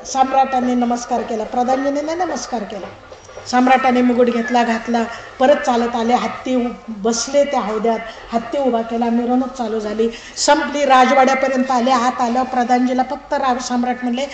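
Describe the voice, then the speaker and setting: A woman giving a religious discourse to a live audience, telling a parable in a lively way and acting out its characters. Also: on the high side. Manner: lively storytelling that acts out characters and street calls. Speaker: pravachan speaker. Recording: echoey hall with audience noise.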